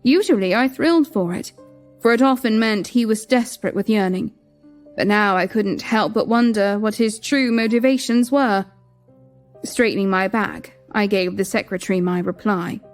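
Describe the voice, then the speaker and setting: A young woman narrating in first person as a queen, measured and reflective. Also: medium pitch. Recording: music bed behind.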